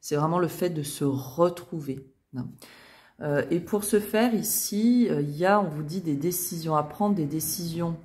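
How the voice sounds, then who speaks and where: A woman's voice: deep voice, normal speed, a little mellow. A woman giving a chatty tarot reading, with many fillers and restarts. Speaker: tarot reader. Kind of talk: casual tarot reading video.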